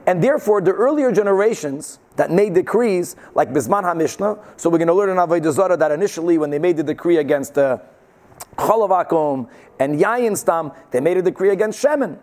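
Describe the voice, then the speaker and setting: A man's voice: sits high, expressive, brisk, darkish tone. A man teaches. He explains emphatically and informally, as in a religious class, sprinkling Hebrew and Yiddish terms through his sentences. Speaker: Talmud teacher.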